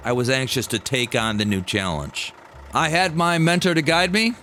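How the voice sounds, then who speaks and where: A man's voice: medium pitch, moderate pace, pushed and bright, a little hiss or hum. An American man telling a personal story as scripted first-person narration. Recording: music behind the voice.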